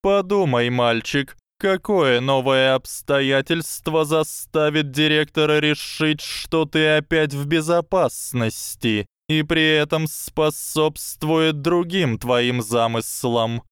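A man voicing a cunning, sardonic male snake who lectures slowly and conspiratorially in an audiobook. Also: a little high, a bit bright, clear, resonant tone, dry recording, pitched above the performer's own voice. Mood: scheming. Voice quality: hissing, dry sardonic tone. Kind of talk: audiobook character voice.

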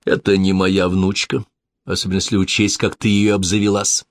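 A man reading the lines of a cold, disapproving middle-aged mother in a flat, deadened tone. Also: deep voice, normal speed, no echo, studio quality.

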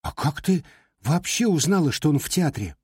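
A man voicing a tough, sharp-tongued young woman who talks in a brusque, commanding way. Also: a little high, sing-song, moderate pace, breathy edge, no room sound, voice pushed up, exaggerated voice. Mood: questioning.

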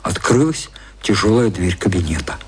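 A male actor giving a measured, detached scripted narration as the narrator of a literary radio drama. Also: low voice, very animated.

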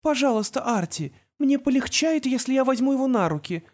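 A woman voicing a sickly mother possessed by a vengeful sorceress, with a shrill, shrieking manner, in an audiobook reading. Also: animated, a little fast, darkish tone. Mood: coaxing. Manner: shrill, shrieking, hissing threats.

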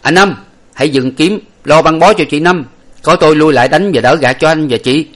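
A man's voice: medium pitch, animated, a little fast, voice pushed up, lightly acted. A man voicing a bold young hero who barks orders in battle. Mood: commanding. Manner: shouting orders, forceful. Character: bold young male hero, commanding swordsman.

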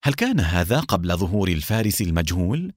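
A man voicing a young male police captain who asks calm, direct questions. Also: low voice, fast talker, dry recording, clean studio sound.

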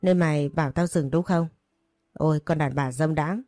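A drunk, brutal young husband snarls and bullies, voiced by a woman reading a story. The voice stays low and dark. The sound is dry and close. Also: normal speed, no room sound, close to an everyday voice. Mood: bullying. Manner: snarling, bullying.

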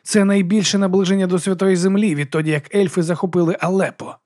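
A man's voice: high-pitched, fairly even intonation, fast talker, a little mellow, pitched above the performer's own voice, close to an everyday voice. A man voicing an indignant, fussy monk who lectures earnestly.

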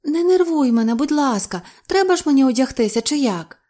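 A woman's voice: sits high, expressive, moderate pace, pitched above the performer's own voice. A woman voicing a capricious young actress who whines, bosses people around and shrieks. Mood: bossy. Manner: whiny, bossy, shrieking.

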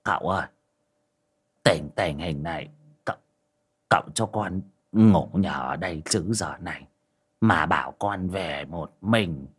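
A man's voice: low voice, measured pace, pauses often, slightly rough, pitched below the performer's own voice. A man voicing a clumsy, cowardly old servant who stammers. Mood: frightened. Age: older. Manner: stammering, fearful mumbles and sudden snaps.

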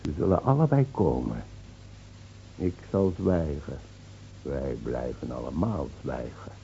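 A bitter, sardonic villager in an old radio drama. His low, very dark voice creaks and swings widely in pitch. The recording is muffled with light hiss. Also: very animated, a little slow, exaggerated voice. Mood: bitter mockery. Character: bitter, mocking villager taunting others about hell and rain. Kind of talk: theatrical radio drama acting.

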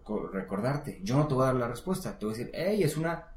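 A man with a Mexican Spanish accent gives a casual one-on-one English lesson, talking fast in a medium-pitched voice. Patient and encouraging, he frequently checks on his learner; there's slight background noise and a roomy echo.

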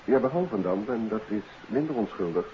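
An actor playing an easygoing, dutiful police inspector reporting to colleagues in a 1950s radio drama. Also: male voice, lowish voice, expressive, moderate pace, mellow, natural voice. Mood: casual, reporting. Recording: muffled 1950s radio recording, faint noise.

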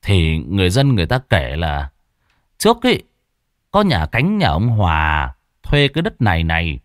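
A man's voice: low voice, huge pitch swings, normal speed, no room sound, studio quality. A man voicing a nervous, humble middle-aged homeowner who stammers and speaks deferentially. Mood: anxious.

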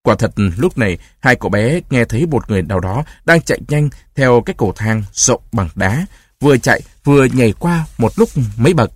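A man narrates a storybook in a steady, even way. His voice is husky and mid-pitched, recorded close and dry. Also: brisk, no echo. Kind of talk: scripted audiobook narration.

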